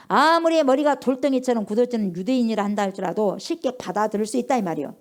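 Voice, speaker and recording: Middle-aged female pastor, fairly high voice, animated sermon with call-and-response. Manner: lively call-and-response preaching, acts out dialogue.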